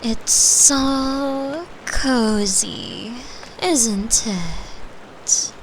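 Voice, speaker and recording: A woman plays a tender, lonely being from another dimension in a soothing ASMR roleplay meant to comfort. Her slightly high voice is soft and breathy, moving extremely slowly and frequently fading into whispers. The rough recording carries a little hiss or hum under a faint rain-like ambience.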